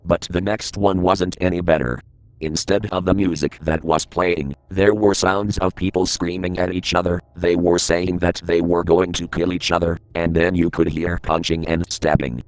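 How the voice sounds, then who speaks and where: A man with a very low voice reads a creepypasta horror story aloud. He keeps a steady, grave tone throughout, letting the dark events land plainly. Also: normal speed, smooth, dry recording. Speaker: narrator.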